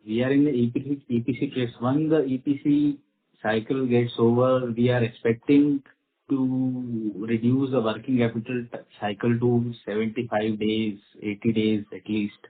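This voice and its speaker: A man with an Indian accent and a husky voice, answering investors as a company executive on an earnings call. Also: medium pitch, steady tone, unhurried. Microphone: phone conference call. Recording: muffled phone conference line.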